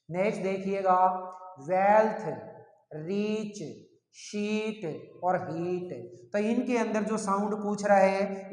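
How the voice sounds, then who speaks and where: A male teacher talks slowly through a sound lesson, repeating each word and asking the class questions he then answers himself. His voice sits high. The room rings with a long, echoey reverb. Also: a little mellow. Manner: slow and repetitive, asks the class questions and answers them himself. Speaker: English teacher.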